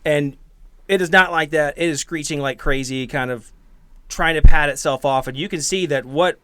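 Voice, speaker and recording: Guy game mastering a tabletop rpg, bright voice, kinda halting, thinks out loud, dry close sound. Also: on the high side, smooth, no echo. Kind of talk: narrating a tabletop game, improvised.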